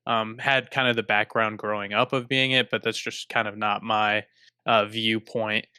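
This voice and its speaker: A man's voice: lowish voice, flat delivery, moderate pace, sharp tone, clear, resonant tone, dry recording, clean studio sound. A young man co-hosting a casual podcast chat over a remote call, self-deprecating and restarting his sentences often. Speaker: podcast co-host.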